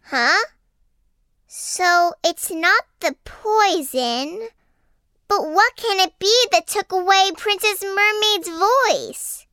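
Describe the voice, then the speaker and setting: A woman voicing a small, earnest young seahorse in a children's audio story, slow and wondering, scolding when upset. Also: very high voice, pushed and bright, no echo, clean studio sound, pitched above the performer's own voice, heavily acted. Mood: puzzled.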